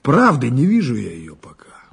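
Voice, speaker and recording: Very husky, doubting male investigator. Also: mid-range voice, wildly swooping pitch, moderate pace, exaggerated voice. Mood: doubtful, troubled. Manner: insistent questioning, repeats words. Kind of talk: audio drama acting.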